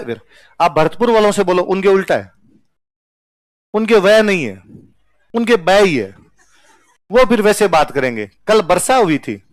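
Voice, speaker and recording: A man's voice: sits high, clean tone, dry recording, studio quality. A male teacher with a Rajasthani accent, giving a conversational, self-mocking storytelling lecture to his students. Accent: Rajasthani Hindi.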